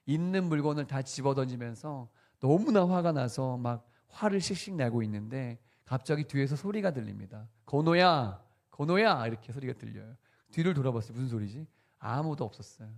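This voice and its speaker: A male pastor gives a sermon in a relaxed, conversational way. He puts questions to the congregation and drops in light, good-humored asides. His voice sits at an ordinary middle pitch. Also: brisk.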